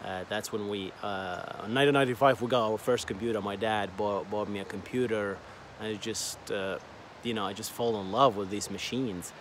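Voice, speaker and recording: A man's voice: fairly low pitch, fairly even intonation, normal speed, slight background noise. A man in his thirties whose first language is Arabic, telling his story in a casual, rambling vlog with many fillers and repeated words, filmed on a phone at arm's length outdoors by a lake. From Bahrain. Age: 30s. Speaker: vlogger. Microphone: phone held at arm's length.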